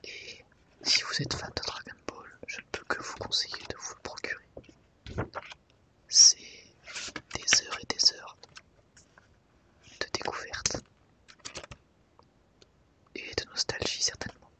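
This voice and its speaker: A book gets a slow, gentle tour from an ASMR host speaking in a soft whisper.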